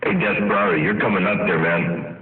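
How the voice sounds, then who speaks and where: A man's voice: sits low, steady tone, fairly quick, roomy sound, phone-quality sound, soft background music. A man from California chatting on CB radio in laid-back trucker-style banter, running his own session. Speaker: CB radio operator recording a skip session. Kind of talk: CB radio chat. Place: home radio station in California.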